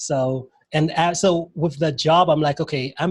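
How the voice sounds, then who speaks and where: A somewhat breathy male voice with ordinary pitch variation and a dry, close sound with no echo. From Caribbean, Saint Lucia. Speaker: entrepreneur. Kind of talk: interview. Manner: hesitant, many fillers and repetitions.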